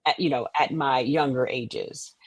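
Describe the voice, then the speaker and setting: Low-pitched American woman explaining thoughtfully. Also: unhurried, dry recording. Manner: reflective, explanatory, often checks with "you know what I mean". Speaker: guest, playwright and stage director. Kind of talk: conversational interview answers.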